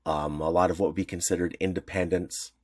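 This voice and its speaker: Low-voiced rambling male co-host, dry sound. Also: steady tone, darkish tone, no room sound. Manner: rambling, halting, many restarts. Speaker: podcast co-host. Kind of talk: casual podcast chat.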